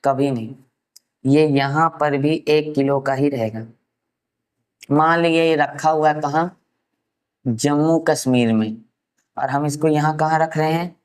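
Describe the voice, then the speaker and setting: A man from Uttar Pradesh giving a science lesson, asking rhetorical questions and answering them himself, and slowly repeating key terms for note-taking. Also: on the high side, steady tone, smooth. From Uttar Pradesh, India. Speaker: science teacher. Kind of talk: classroom science lecture.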